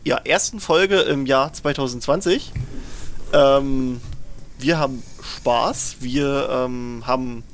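A man hosting a casual group podcast, playful and excitable, with many hesitant fillers. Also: medium pitch, slow pace, a little hiss or hum. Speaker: podcast host.

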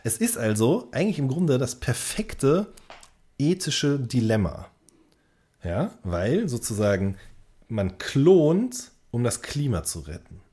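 A male podcast co-host with a slightly rough, husky voice at a medium pitch. His intonation moves around a lot as he chats off the cuff, feeling his way through explanations and rewording as he goes. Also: very animated, takes it slowly, dark tone. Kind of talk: casual unscripted podcast chat.

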